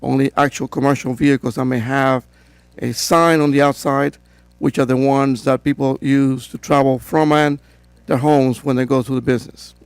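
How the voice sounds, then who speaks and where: Hoarse man presenting to a council. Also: mid-range voice, moderate pace, no room sound. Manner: steady and procedural, with frequent fillers. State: hoarse from a cold. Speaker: code enforcement director. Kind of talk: formal presentation at a town council meeting.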